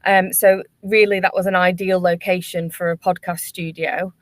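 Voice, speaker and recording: A woman's voice: fairly low pitch, little pitch movement, normal speed, no room sound. A woman speaking as a panelist on a webinar, explaining things in an informative way. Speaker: workspace company panelist.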